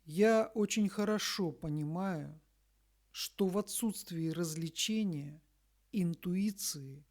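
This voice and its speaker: A woman reads a scripted spiritual message in a solemn, deliberate manner, pausing between short phrases. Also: low voice, darkish tone. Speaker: spiritual messenger reading a message.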